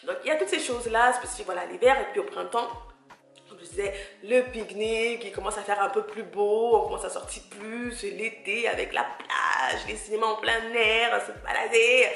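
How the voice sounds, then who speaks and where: Hosting a casual solo podcast, a woman who grew up in Cameroon and now lives in France speaks directly to her listener with encouraging advice, conversationally and hesitantly searching for words. Her medium-pitched voice is gravelly and fairly bright, with a steady tone at normal speed and a roomy sound.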